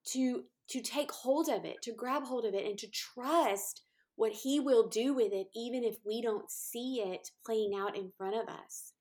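A woman's voice: a little high, a little mellow. Woman hosting a faith podcast, talks from the heart, lots of ums and repeats. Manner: heartfelt, repetitive phrasing, many fillers. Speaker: podcast host. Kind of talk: encouraging podcast talk.

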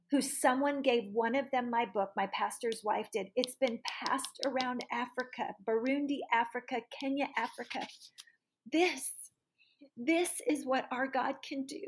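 A middle-aged woman sharing a personal testimony as a guest, earnest and soft-spoken, reading a prayer aloud slowly. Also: on the high side, slight background noise. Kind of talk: personal testimony in a podcast interview.

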